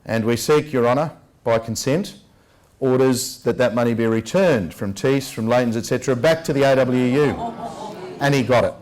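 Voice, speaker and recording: An Australian man delivering an investigative lecture in an emphatic, rhetorical manner, leaning on key words with deliberate stress. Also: mid-range voice, darkish tone. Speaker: public speaker, lecturer. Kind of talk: public address, investigative lecture. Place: public talk at a venue.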